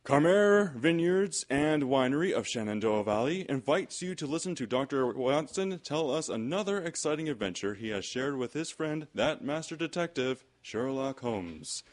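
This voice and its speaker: A man playing a genial radio host, announcing and pitching the sponsor in polished old-time radio style. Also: animated, moderate pace, few pauses, natural voice. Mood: formal.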